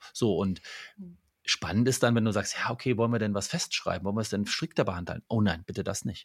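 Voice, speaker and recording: A man talks at a very fast pace, his pitch fairly low with ordinary variation. The sound is dry and close with no echo, and the recording is very clean with a silent background. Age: 50s. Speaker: HR executive. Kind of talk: interview. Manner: halting, many fillers.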